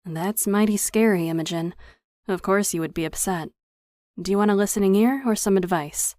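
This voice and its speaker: A calm, plainspoken older mountain woman, as a female narrator voices her. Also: medium pitch, normal speed, no room sound, studio quality, lightly acted. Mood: gentle.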